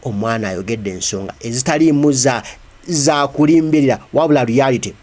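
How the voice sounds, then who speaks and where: A man's voice: medium pitch, a little fast, darkish tone. A man with a Ugandan accent, a native Luganda speaker, giving casual reaction commentary and repeating phrases for emphasis.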